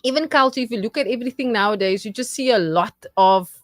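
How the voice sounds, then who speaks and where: A young woman co-hosts a radio show from a studio. She talks earnestly and with energy, and her voice sits a little high. The sound is close and dry. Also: fast, dry recording. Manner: earnest, animated, jokes and laughs easily. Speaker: radio co-host. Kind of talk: casual studio radio chat.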